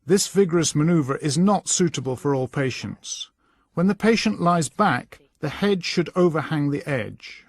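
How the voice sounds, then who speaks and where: A man reading scripted instructional narration in a measured, instructing manner. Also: a little high, expressive. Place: dry voice-over recording.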